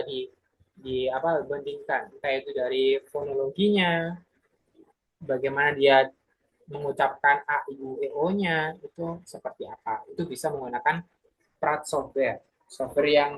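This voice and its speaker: A young adult presenter giving a casual explanatory talk to a community group, pausing often with filler sounds and correcting themselves mid-sentence. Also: mid-range voice, steady tone, slight background noise, low-quality recording. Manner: hesitant, many filler sounds and self-corrections.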